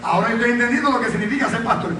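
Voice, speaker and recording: High-voiced, fast pastor. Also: male voice, a little hiss or hum. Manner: animated, acts out quotes. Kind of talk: Bible study teaching. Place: church. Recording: echoey church hall, mic at a distance.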